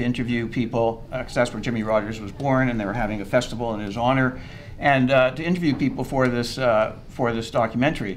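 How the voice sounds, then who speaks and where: Speaking at a fairly quick pace, a man with a Canadian accent keeps a medium pitch and fairly even intonation, with audible room echo and noticeable background noise. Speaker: radio documentary maker. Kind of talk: lecture. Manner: fast.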